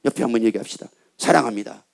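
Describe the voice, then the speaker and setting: A man's voice: mid-range voice, very fast, vocal fry. A male pastor preaching a Sunday sermon in a church, asking the congregation questions and answering them himself with repeated phrases. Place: church sanctuary.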